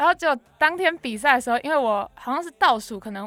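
Against a silent background in a very clean recording, a woman talks at a very fast pace with a bright, sharp tone and lively intonation. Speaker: singer and university music student. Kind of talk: casual chat.

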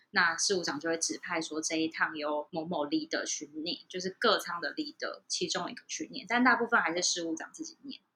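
Speaking with a Taiwanese accent, a woman uses a bright, sharp tone and lively intonation at a fairly quick pace with hardly any pauses. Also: medium pitch for a woman, big swings in loudness. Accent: Taiwanese Mandarin. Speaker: flight attendant. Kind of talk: casual chat.

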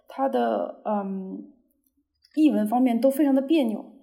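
A woman speaks with a high pitch. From northern China. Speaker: journalist and researcher. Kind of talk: interview. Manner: halting, many fillers.

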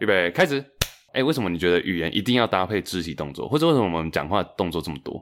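A man with a very deep, low pitch talks at a very fast pace with lively intonation, recorded very cleanly against a silent background. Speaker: podcast co-host. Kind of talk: casual chat.

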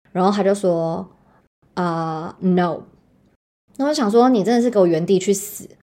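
A woman speaks with a Taiwanese accent in a dark, mellow tone. Her speech has long, frequent pauses. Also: medium pitch for a woman, ordinary pitch variation, moderate pace. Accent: Taiwanese Mandarin. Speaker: podcast host. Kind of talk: storytelling monologue.

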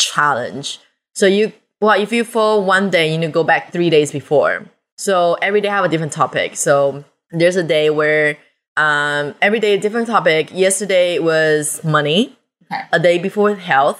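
A woman speaks with a Chinese accent at a moderate pace. Her pitch is fairly low, with ordinary pitch variation. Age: 30s. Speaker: podcast host. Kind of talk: casual chat.

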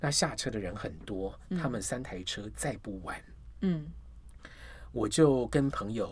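A man's fairly slow speech with long, frequent pauses and audible room echo. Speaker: radio host. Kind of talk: casual chat. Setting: live-streamed podcast recording. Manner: clear articulation.

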